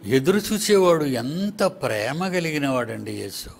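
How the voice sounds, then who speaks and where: A man's voice: fairly high pitch, very animated, a little slow, gravelly. A man preaching a sermon to his congregation, teasing the listeners with rhetorical questions.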